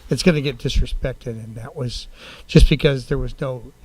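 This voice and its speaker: A man speaking as a council member in a public meeting, plain-spoken and rambling, with halting phrasing. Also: medium pitch, slightly rough, rough recording.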